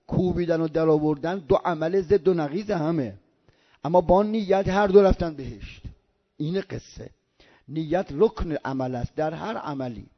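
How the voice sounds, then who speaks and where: An older man from Iran giving a religious lesson on prayer, slowly drawing out Arabic sounds as he demonstrates them. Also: a little high, dull audio. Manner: slow drawn-out recitation of Arabic sounds. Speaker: cleric teaching prayer.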